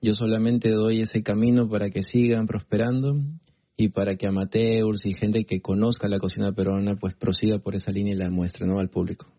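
A man, a chef guest on a radio interview, speaks calmly and conversationally in a low, warm, mellow voice. The broadcast sound is slightly dull and muffled. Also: a little fast. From Peru.

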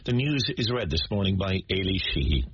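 A man presenting the morning news on radio in a brisk, measured announcing manner, heard through a tinny clock radio. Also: sits low, sing-song, a little hiss or hum. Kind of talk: scripted broadcast news reading. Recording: dull lo-fi radio with music.

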